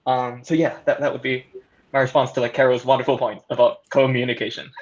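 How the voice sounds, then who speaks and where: A man's voice: mid-range voice, level tone, fast. A man talking casually as a panelist in a conversational, thinking-aloud way, on slightly dull call audio. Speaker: panelist, audio drama maker.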